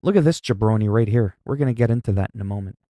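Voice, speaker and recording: A man hosting a livestream, chatting loudly in a mock-stern, profane way with quick swings in volume. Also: lowish voice, lively intonation, no room sound, clean studio sound. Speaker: livestream host. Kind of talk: casual livestream chat.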